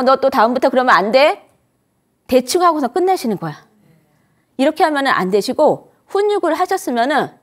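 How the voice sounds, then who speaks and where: A middle-aged woman lectures grandparents on raising children. She poses questions to the room and answers them herself. Her fairly high voice rises and falls a great deal. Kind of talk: instructive lecture to an audience.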